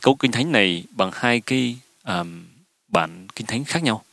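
A man's voice: medium pitch, animated, gravelly, fairly bright tone, no echo. A man interpreting a sermon line by line, hurrying with fillers and restarts. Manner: hurried, with frequent fillers and restarts.

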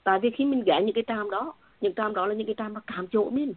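A woman's voice: medium pitch, fast. A woman sharing an earnest, somewhat repetitive faith testimony with fellow believers, heard over a tinny phone-like line. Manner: earnest, repetitive, emotional at times. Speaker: church member sharing testimony.

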